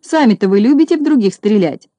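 A woman voicing a confident male shorty mechanic in a storybook, gruff and teasing. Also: fairly high pitch, lively intonation, fast talker, warm tone, no room sound.

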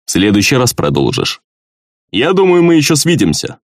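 A man's voice: mid-range voice, huge pitch swings, normal speed, no echo, clean studio sound, pitched above the performer's own voice. A man doing a stern old gnome colonel.

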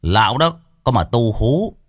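A man voicing a short-tempered young male ghost hunter who scolds gruffly, in a spooky story. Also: medium pitch, big pitch swings, a little slow, dry recording, studio quality. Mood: scolding.

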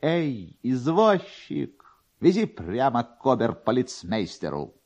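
A man voicing a frantic, self-important gentleman in a dramatised classic story, exclaiming and giving imperious orders. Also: mid-range voice, very animated, takes it slowly, exaggerated voice. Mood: agitated, commanding. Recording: dull, band-limited archive radio recording.

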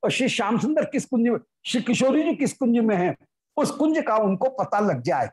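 A woman giving a devotional discourse, reciting Sanskrit verses and then explaining them slowly. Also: on the high side, very animated, darkish tone, breathy edge. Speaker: spiritual discourse speaker. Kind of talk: devotional scripture commentary.

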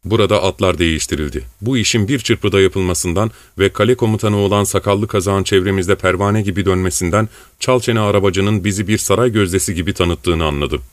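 A male audiobook narrator reads in a steady, measured way. His voice sits on the low side. The recording is dry and close. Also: no echo. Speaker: audiobook reader.

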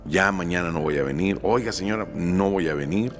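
A man voicing an angry middle-aged cleaning woman, with curt, indignant demands and a slightly raised pitch. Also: fairly quick, long reverb tail, soft background music, natural voice.

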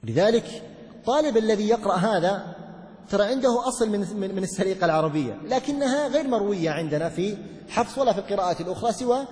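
A male religious teacher giving a classroom lesson, explaining step by step, quizzing his students and chanting verses slowly. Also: high-pitched, lively intonation, a little mellow, in a large hall. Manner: recites verses in a slow chant.

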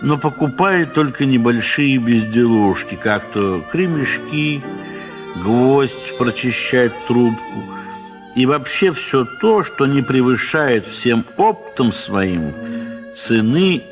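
A man narrating a literary audio play in an expressive, measured theatrical manner with deliberate pauses. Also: mid-range voice, music in the background. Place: recording studio.

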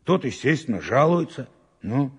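An actor playing a blunt, disapproving prison officer with a rough, husky voice, grumbling colloquially in an audio drama. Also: male voice, mid-range voice, big pitch swings, moderate pace, long reverb tail. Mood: grumbling, indignant. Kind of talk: Russian audio drama acting.

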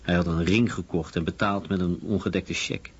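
A man's voice: sits low, steady tone, fairly quick, slightly rough. A man playing a matter-of-fact lawyer testifying in a radio documentary drama. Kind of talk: Dutch voice-over of testimony. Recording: dull, muffled radio recording.

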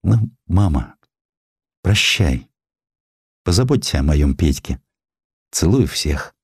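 Deep, solemn young student's farewell read by a man. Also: big pitch swings, slow, breathy edge, no echo, clean studio sound, full character voice. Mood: solemn, resolute. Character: dying young male student writing earnest, resolute farewell.

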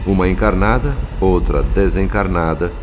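A man's voice: low-pitched, normal speed, noisy background. A man narrating a spiritual radio drama in a grave, dramatic storytelling manner. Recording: radio drama with music bed.

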